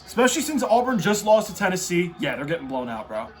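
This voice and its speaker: High-pitched, animated frat-bro guy. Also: fast, faint music behind. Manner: excitable frat-bro talk, heavy on "bro" and "dude". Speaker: host reacting to a tournament bracket. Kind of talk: casual off-the-cuff sports reaction.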